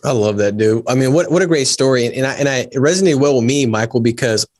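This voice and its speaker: A man's voice: medium pitch, fast, darkish tone. A man in his thirties hosting a podcast, chatty and enthusiastic, often saying "man" and "dude". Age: 30s. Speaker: podcast host. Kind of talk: casual podcast interview.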